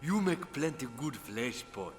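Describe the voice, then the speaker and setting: A man's voice: mid-range voice, big pitch swings, a little slow. A man playing a menacing tribal island chief who speaks ominous broken English in a video game. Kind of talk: video game cutscene acting. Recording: music under the voice.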